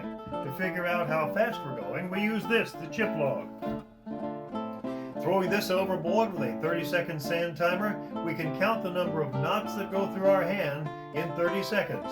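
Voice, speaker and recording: Guy doing a hearty renaissance faire privateer teacher, olde-time talk, highish voice, loud plucked guitar behind him. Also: natural voice, rough recording. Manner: mock olde-time speech, theatrical lecturing. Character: jovial Renaissance privateer surgeon teaching navigation. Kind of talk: Renaissance faire character demonstration.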